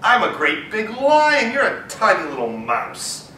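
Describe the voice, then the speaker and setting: A man voicing a great big proud male lion who speaks in a gruff, lordly way. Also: sits high, huge pitch swings, measured pace, pushed and bright, reverberant, far from the mic, a little hiss or hum, heavily acted.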